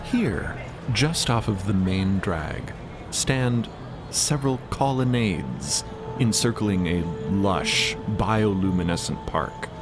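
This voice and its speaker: A man's voice: low voice, expressive, slow. A man narrating a scripted audio drama in a dramatic, wry storytelling manner. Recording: loud music behind the voice. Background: loud music.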